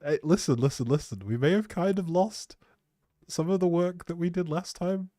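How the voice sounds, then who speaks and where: A man's voice: high-pitched, normal speed, warm tone, dry recording. A man hosting a livestream, rambling casually and chattily, often breaking off mid-thought, speaking close to the mic. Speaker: live streamer, host.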